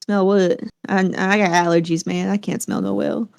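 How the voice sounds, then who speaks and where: A woman voicing a middle-aged male town official in a tabletop game, folksy and grateful, with a Southern US accent and a hesitant, drawn-out delivery. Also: mid-range voice, little pitch movement, gravelly, darkish tone, close to an everyday voice. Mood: puzzled.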